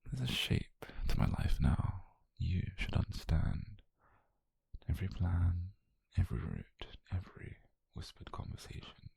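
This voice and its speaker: A British man playing an obsessive, possessive mafia boyfriend, calm and dangerous, in a slow, controlled, breathy half-whisper for an intimate ASMR roleplay. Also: sits low, no echo, heavily acted. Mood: quiet menace. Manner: slow, controlled, menacingly tender murmur. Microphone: close microphone, dry.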